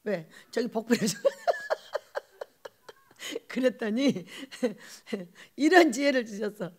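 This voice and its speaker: A woman pastor preaches with a high voice that swings widely in pitch. She presses her points with quick rhetorical questions and laughing asides. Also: big pitch swings. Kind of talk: sermon.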